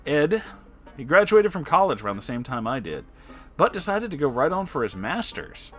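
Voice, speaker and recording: A man reading a story aloud as an online narrator, expressive and casual, with dramatic delivery. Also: on the high side, normal speed. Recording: music behind the voice. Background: background music.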